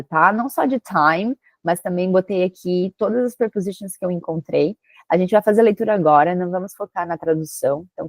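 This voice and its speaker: Female English teacher, lowish voice, dry close mic, reads model sentences slowly and keeps checking in with the class. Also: dry recording. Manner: checks in with "ok?" and "tá?" often. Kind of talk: online language lesson.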